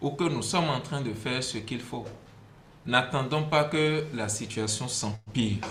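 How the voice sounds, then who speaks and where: A man with a Beninese accent at a very slow pace and medium pitch, with ordinary pitch variation and audible room echo. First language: Fon (speaking French). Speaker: church elder, preacher. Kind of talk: sermon. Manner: formal.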